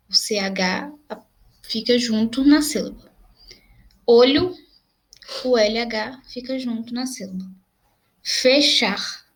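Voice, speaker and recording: A young Brazilian Portuguese-accented woman patiently teaches grammar by video, speaking at a fairly high pitch. Examples get spelled out slowly as she goes.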